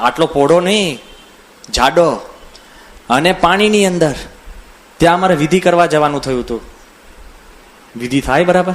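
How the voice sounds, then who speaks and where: Male swami, storytelling sermon, somewhat high-pitched, animated anecdotal delivery. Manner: lively anecdotal, acts out quoted voices. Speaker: swami giving a religious discourse. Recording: audio from a CD recording.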